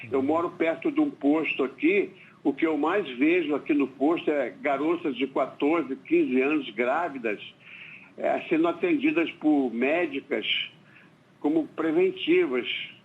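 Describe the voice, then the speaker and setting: The speaker talks at a fairly slow pace with very even loudness. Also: man. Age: 60s. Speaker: caller. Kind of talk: opinionated call-in comment. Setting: phone call.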